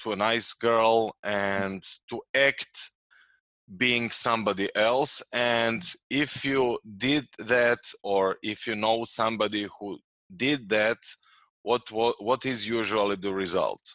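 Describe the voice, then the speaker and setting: Man, bright voice, dry close sound, podcast host. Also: fairly low pitch, takes it slowly, dry recording. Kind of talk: interviewing.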